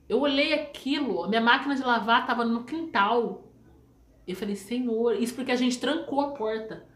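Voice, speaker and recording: A woman's voice: fairly high pitch, roomy sound. A woman with a Brazilian Portuguese accent tells her life story to her viewers in a casual, emotional way, often repeating phrases.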